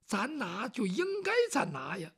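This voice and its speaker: A storyteller voicing a calm, patient young male scholar who speaks softly and reasonably. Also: medium pitch, measured pace, slightly rough, full character voice.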